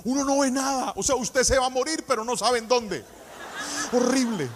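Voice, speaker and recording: A man's voice: extremely high pitch, moderate pace, background noise. A man preaching a sermon, passionate and storytelling, often singing out his phrases.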